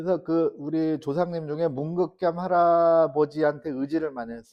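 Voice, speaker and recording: Using an unremarkable speaking voice, a man at a fairly high pitch talks at a moderate pace with fairly even intonation. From Jeju Island, South Korea. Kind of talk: unscripted casual monologue.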